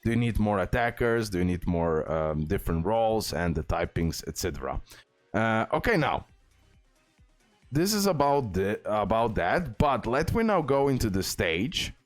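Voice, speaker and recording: A man's voice: fairly low pitch, big pitch swings, normal speed. A man giving a casual, off-the-cuff game tutorial as host, explaining step by step and often checking in with the listener. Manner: explanatory, repeatedly checking in with "okay?". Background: music.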